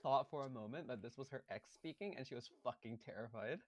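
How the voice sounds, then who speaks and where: A man playing a tabletop game, bantering casually in and out of character in an excitable, halting way. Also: medium pitch, no echo.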